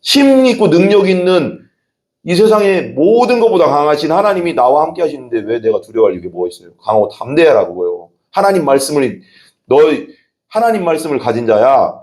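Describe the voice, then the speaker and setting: A man's voice: fairly high pitch, very animated, a little fast, a little mellow. A male pastor giving a conversational sermon, asking the congregation rhetorical questions and breaking into sudden exclamations.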